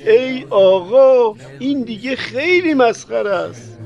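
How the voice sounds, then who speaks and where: An actor playing a fussy, pompous marriage notary in a radio play, speaking formally. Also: male voice, very high voice, lively intonation, creaky, a little mellow, lo-fi sound, heavily acted.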